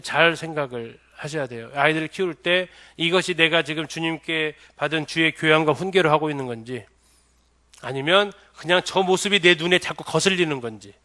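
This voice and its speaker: A middle-aged man teaching a church seminar in a bright, ringing voice pitched a little high. He keeps turning to the listeners with questions and answers them himself. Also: a little fast. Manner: asks the audience many questions. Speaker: pastor.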